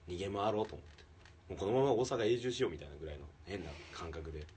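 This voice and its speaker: Male comedian podcast host with a deep, lively voice, animated storytelling with acted-out quotes. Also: fast talker, recorded from a distance, slight background noise. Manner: animated, acts out quotes, swings from loud outbursts to hushed asides. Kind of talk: casual storytelling chat.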